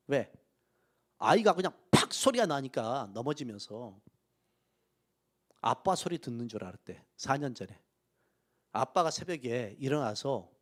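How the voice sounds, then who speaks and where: A middle-aged man preaching a sermon in a church, telling a personal story and swinging between soft, hushed asides and loud, emphatic peaks. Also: medium pitch. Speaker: pastor. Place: church sanctuary.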